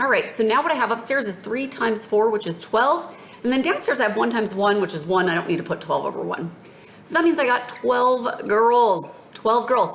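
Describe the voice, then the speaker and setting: Talking fairly quickly with lively intonation, a woman's fairly high voice comes through noticeable background noise. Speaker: math tutor. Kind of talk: tutorial.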